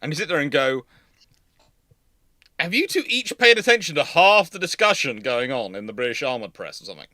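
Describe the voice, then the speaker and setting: A man with a bright, forward voice hosts a casual history stream. He explains in tumbling runs and drops wry asides. The sound is dry and close. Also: a little high, big pitch swings, brisk, no room sound. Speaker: host of a naval history livestream. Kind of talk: casual panel chat and commentary.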